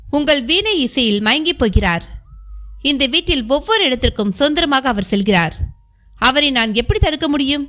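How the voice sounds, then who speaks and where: A woman's voice: high voice, pushed and bright, full character voice. A woman voicing a timid, respectful young woman. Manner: respectful and fearful.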